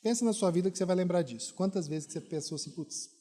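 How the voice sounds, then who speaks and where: Brazilian pastor preaching in a reverberant hall. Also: male voice, high-pitched, very fast, dark tone. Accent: Brazilian Portuguese. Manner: emphatic, repetitive rhetorical preaching. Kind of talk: sermon. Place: church hall.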